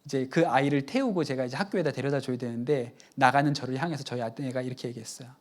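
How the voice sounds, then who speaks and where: A male pastor giving a sermon. He tells a family anecdote in a chatty, conversational way and often turns to the congregation with quick asides. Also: mid-range voice.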